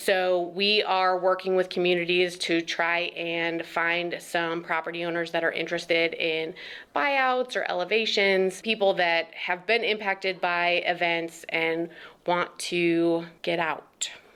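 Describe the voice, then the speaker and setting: An unremarkable speaking voice keeps fairly even intonation and very even loudness. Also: woman, fairly low pitch for a woman. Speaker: state agency floodplain division manager. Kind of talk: interview on work accomplishments.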